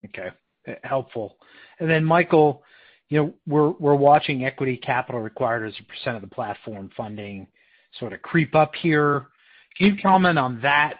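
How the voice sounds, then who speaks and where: A man's voice: medium pitch, expressive, moderate pace, no echo. A man working as a financial analyst, putting questions to executives on an earnings call. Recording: dull, dry call audio.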